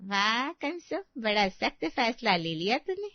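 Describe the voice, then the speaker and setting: A woman's voice: fairly high pitch, big pitch swings, unhurried, no room sound, dull audio. A woman playing a gossipy, cackling older neighbor woman. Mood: mocking. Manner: teasing, cackling laughter. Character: mocking older female neighbor, gossipy rival. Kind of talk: Hindi cartoon story voice acting.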